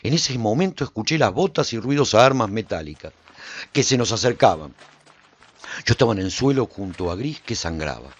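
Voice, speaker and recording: A man's voice: fairly low pitch, lively intonation, moderate pace, breathy edge, lo-fi sound. A man giving an intense, dramatic first-person narration for a radio serial.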